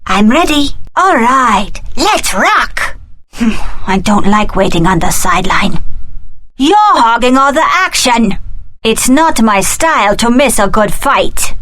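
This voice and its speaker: An actress voicing a tough, sassy, pragmatic young action heroine in a video game, with a cocky, snappy delivery. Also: female voice, fairly high pitch, very animated, takes it slowly, a bit bright, heavily acted. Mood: eager, brisk. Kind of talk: scripted video game voice acting.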